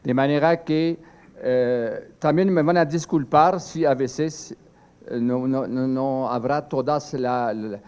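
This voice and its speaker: An older priest whose first language is French, giving a seminar talk from a prepared text, slow and halting with many pauses and restarts. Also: male voice, medium pitch, a little mellow, smooth.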